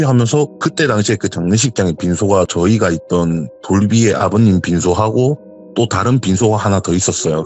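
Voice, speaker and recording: A man, casually telling a true ghost story and acting out the voices of the people in it. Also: deep voice. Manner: animated retelling, acts out quoted voices.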